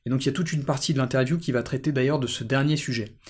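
Male podcast host, French accent, mid-pitched voice, presenting and interviewing. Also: steady tone, racing, breathy edge.

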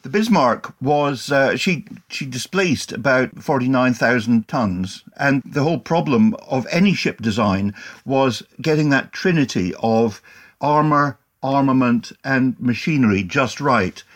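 A man speaking as a historian guest on a podcast, giving measured, explanatory answers. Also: medium pitch, animated.

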